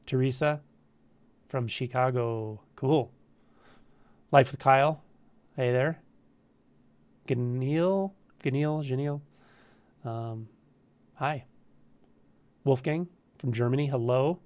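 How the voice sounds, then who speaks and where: A man with a cold and a stuffy voice, hosting a casual live Q&A stream, greeting viewers in a relaxed, friendly way with frequent ums. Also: medium pitch, slow pace, pauses often, smooth, no echo. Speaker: spiritual teacher hosting a live Q&A. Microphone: camera livestream setup.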